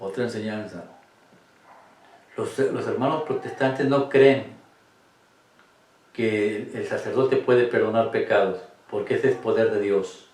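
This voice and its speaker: A man's voice: fairly low pitch, unhurried, long pauses, a little mellow. A man leading a Catholic Bible study, speaking emphatically and posing rhetorical questions to his listeners. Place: room with cameras. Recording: echoey room, distant mic.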